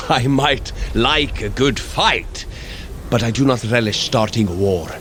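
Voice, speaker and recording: An actor playing a noble, earnest warrior god in an audio drama, speaking in a measured, formal way. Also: male voice, medium pitch, fairly bright tone, a little hiss or hum, close to an everyday voice. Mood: earnest, worried. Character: Thor, noble male warrior god, earnest, steady, trusting.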